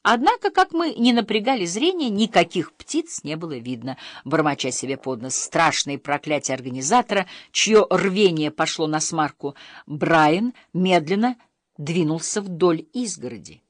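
Woman narrator for an audiobook, fairly low voice with a lively, expressive delivery, dry close-mic studio sound. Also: moderate pace, no room sound. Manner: expressive storytelling.

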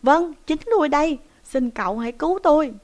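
A woman's voice: a little high, expressive, normal speed, natural voice. A woman voicing a male traveler caught as a thief, who talks in an urgent, pleading way.

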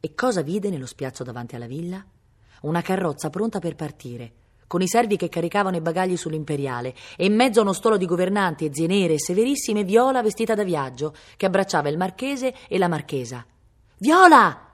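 A woman from Italy with a low voice reads a novel aloud for a public library. She tells the story with feeling, slowing for tense moments and jumping high and loud for the characters' shouts. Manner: expressive storytelling, raising pitch and volume sharply for quoted shouts; slows down on tense moments, hisses the cat's sounds. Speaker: volunteer reader for a public library.

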